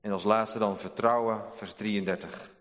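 A man preaching a sermon in a church, deliberate and repeating key phrases for emphasis. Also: fairly low pitch, fairly even intonation, fairly bright tone. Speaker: pastor. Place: church sanctuary. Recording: long church hall reverb.

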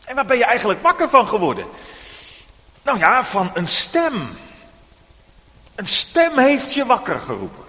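A man preaching to children, telling a Bible story in an animated storytelling manner, addressing the boys and girls directly, in a reverberant church. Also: very high voice, a little slow, pauses often.

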